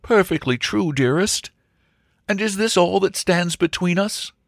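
An earnest young suitor in a comic storybook, performed by a man. He speaks formally and precisely, like a smooth salesman, with very varied intonation and a dry, close sound. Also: high voice, expressive, a little slow, dry recording, pitched above the performer's own voice. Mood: ardent.

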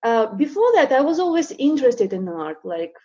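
A woman's voice: high voice, very animated, moderate pace, mellow, lo-fi sound. A woman in her thirties, born in Russia with Russian as her first language, chatting as an interview guest, hesitant with many fillers. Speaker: guest, painter. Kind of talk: casual interview chat.

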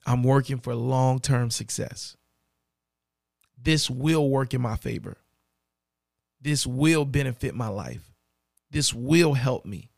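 A man with a raspy voice and a dry throat, hosting a podcast and speaking earnestly and directly to the listener. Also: medium pitch, slow pace, long pauses, dry recording. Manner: earnest, repeats key phrases, addresses listener directly. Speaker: podcast host. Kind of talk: motivational podcast monologue.

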